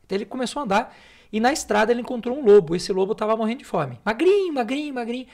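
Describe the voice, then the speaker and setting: Blunt, fast-talking man. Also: high-pitched, lively intonation, creaky, a little mellow. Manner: blunt, emphatic, swears casually. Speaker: guest speaker, neuroscience mentor. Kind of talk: casual podcast interview.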